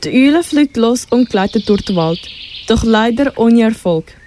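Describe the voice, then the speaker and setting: A woman's voice: a little high, lively intonation, normal speed, mellow, slight background noise. A teenage girl narrating a school radio play, reading the story steadily. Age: teens.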